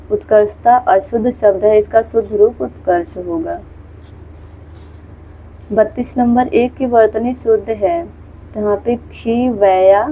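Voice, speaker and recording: Patient Hindi tutor woman, soft husky tone. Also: mid-range voice, rough recording. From India. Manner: explains patiently, repeats words, points at screen. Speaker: Hindi teacher. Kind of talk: exam-prep lesson walking through questions.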